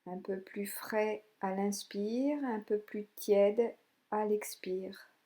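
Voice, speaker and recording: Female yoga nidra guide: soothing and gentle, very slow delivery, mellow timbre. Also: medium pitch, steady tone. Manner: soothing, gentle, unhurried instructions with pauses. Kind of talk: guided relaxation meditation.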